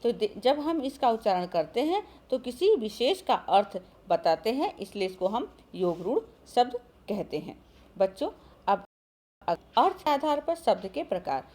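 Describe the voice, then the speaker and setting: Woman schoolteacher, animated and higher-pitched, patient lesson delivery to kids. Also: unhurried. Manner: addresses children often, asks and answers her own questions. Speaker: school Hindi teacher. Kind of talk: recorded online grammar lesson.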